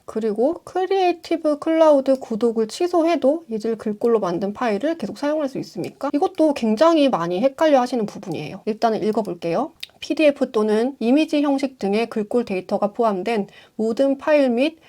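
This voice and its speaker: A woman's voice: on the high side, animated, brisk, few pauses, warm tone. A woman designer explaining font licensing in a tutorial. She reads formal passages aloud and then restates them in casual, conversational speech. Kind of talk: explanatory tutorial, reading out and paraphrasing.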